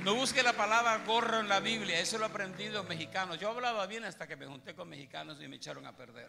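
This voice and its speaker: Very fast and raised, a man's high-pitched, projected voice sounds animated, with lively intonation and big swings in loudness, against noticeable background noise and audible room echo. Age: 70s. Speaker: guest preacher. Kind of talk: sermon. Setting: church.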